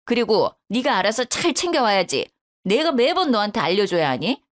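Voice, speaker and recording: A woman's voice: sing-song, moderate pace. A woman voicing a sulky, bitter older mother-in-law who speaks in curt, grumbling lines. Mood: shrill indignant. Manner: curt, grumbling, turns shrill when angry.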